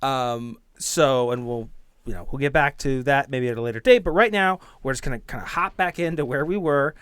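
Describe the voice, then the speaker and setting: A man narrating a tabletop game as game master in an informal, halting, self-deprecating way, improvising as he goes. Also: medium pitch, a bit bright, smooth, dry recording, studio quality. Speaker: game master and podcast host. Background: background music.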